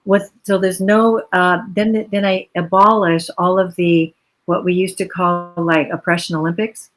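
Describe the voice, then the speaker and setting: A woman's voice: lowish voice, level tone, a little slow, a bit bright, rough recording. Earnest woman speaking on a video-call panel. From United States. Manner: earnest and reflective, long flowing explanations. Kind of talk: virtual panel discussion.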